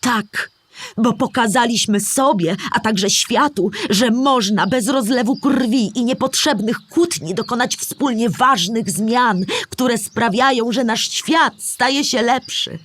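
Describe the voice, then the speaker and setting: Slightly husky female storyteller for children. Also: on the high side, slow pace, fairly bright tone, full character voice. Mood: explanatory. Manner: clear explaining, storybook-like. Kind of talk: scripted narration in children's audio play.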